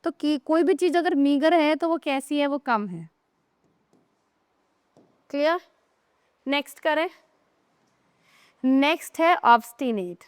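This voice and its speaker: A woman teaching English vocabulary in an explanatory way, often checking whether her students have understood and slowing down to read example sentences. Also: high-pitched, dry recording, studio quality. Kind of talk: online vocabulary lesson.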